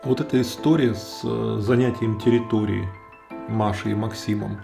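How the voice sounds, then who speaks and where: A man narrating a nature vlog in a relaxed storytelling style, with halting, thoughtful phrasing. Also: lowish voice, gravelly. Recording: roomy echo, guitar music behind.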